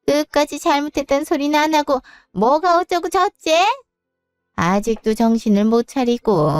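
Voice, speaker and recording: A woman's voice: sits high, no room sound, studio quality, lightly acted. A woman voicing a scornful, insulting middle-aged mother-in-law in an audio drama, scolding and abusive.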